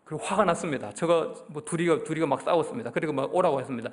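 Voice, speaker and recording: A man's voice: on the high side, very fast. A middle-aged man with a Gyeongsang accent preaching a conversational sermon to his congregation, often putting questions to them. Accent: Daegu Gyeongsang Korean. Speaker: pastor. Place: church sanctuary.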